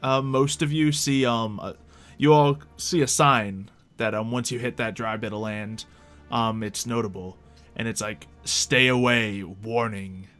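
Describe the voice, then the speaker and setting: A man's voice: medium pitch, steady tone, a little slow, a bit bright, clear, resonant tone. A man runs a tabletop game in an informal, improvised style. His mid-range voice halts and restarts as he describes the scene. Faint music plays behind him. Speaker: game master of a tabletop roleplay game. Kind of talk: casual, improvised game narration. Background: faint background music.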